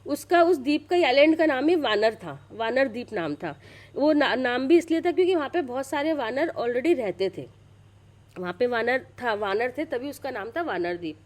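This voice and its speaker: A woman's voice: high voice, expressive, normal speed. A middle-aged woman retelling a religious story in a casual, chatty way, often repeating herself and restarting sentences. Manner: chatty, repeats and restarts, checks listeners follow.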